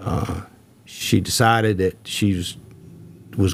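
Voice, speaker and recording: The speaker has a South Carolina accent. The recording is very clean, with a silent background. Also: man. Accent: US Southern (South Carolina). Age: 60s. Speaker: business executive. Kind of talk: interview. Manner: animated.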